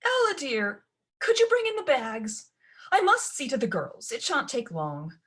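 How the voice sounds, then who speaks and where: A woman's voice: sits high, wildly swooping pitch, a little slow, a bit bright, pitched above the performer's own voice, heavily acted. A woman voicing a fretful, flustered widowed stepmother in a storybook reading, faltering and fussy.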